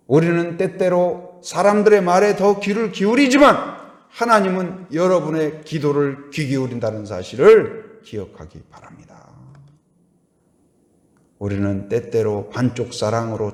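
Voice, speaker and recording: A man's voice: on the high side, reverberant. A man preaching at an early morning church service, often asking the congregation questions and acting out the voices he quotes. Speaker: pastor. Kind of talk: dawn service sermon. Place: church sanctuary.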